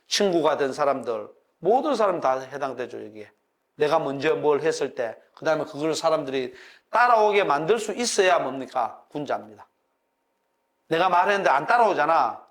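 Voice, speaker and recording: A man in his sixties giving a classroom lecture as a university professor, folksy and animated, checking in with his listeners and chuckling as he explains. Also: on the high side.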